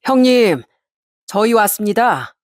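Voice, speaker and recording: Woman narrator as a gentle, coaxing father for an audio story, heard dry. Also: mid-range voice, moderate pace, no echo, close to an everyday voice. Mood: calm. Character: kind, warm-hearted father-in-law, middle-aged.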